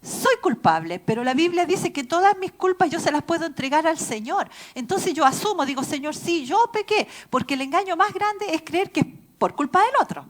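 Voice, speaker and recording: A woman pastor with a Chilean accent preaches in a church, her voice sitting high. She tells her stories earnestly and laughs at herself along the way. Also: sing-song, a little fast. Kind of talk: sermon.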